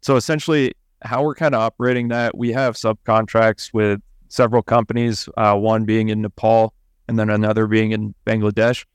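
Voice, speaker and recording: A man's voice: lowish voice, level tone, moderate pace, clear, resonant tone, no echo, clean studio sound. A man from Colorado, an engineering firm CEO, answering interview questions casually with "kinda" and "like".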